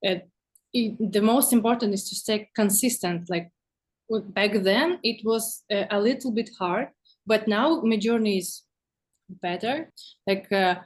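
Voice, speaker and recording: Halting woman, non-native English speaker. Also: mid-range voice. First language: not English. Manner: halting, searching for words. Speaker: interview guest, visual artist. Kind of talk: casual interview chat about work.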